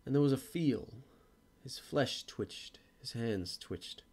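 A man giving a dramatic, theatrical reading of story prose, with deliberate, expressive phrasing. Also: mid-range voice, slightly rough. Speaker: voice actor, story reader. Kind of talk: dramatic scripted storybook narration.

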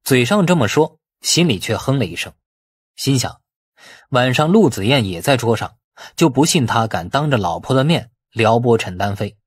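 A man reading a novel aloud as expressive scripted narration. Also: medium pitch, moderate pace, slightly rough, dry recording, clean studio sound. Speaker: audiobook narrator.

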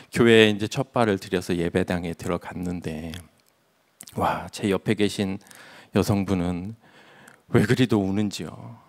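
A young adult man preaching at an early-morning church service, telling his story and dropping to a near-whisper for emphasis. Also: sits low. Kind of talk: sermon. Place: church sanctuary.

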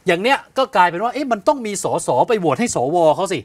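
A man co-hosting an evening news show, explaining political events in an animated conversational way, asking rhetorical questions and acting out what others said. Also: high voice, fast, no echo. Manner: animated, asks rhetorical questions, acts out quotes. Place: television studio.

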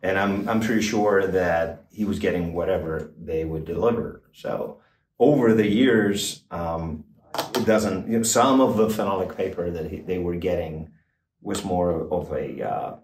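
An older man, a guitar expert guest, explaining in a casual, halting way with many fillers and restarts, in a small backstage room. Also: sits low, a little mellow, far from the mic. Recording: roomy, off-mic, faint noise.

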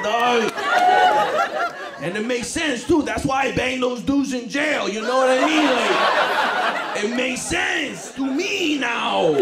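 A comedian doing a swaggering cholo uncle. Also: male voice, very high-pitched, roomy sound, heavy background noise, voice pushed up, exaggerated voice. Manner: drawling street slang, calls everyone dog. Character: tough ex-con cholo uncle, middle-aged man, laid-back.

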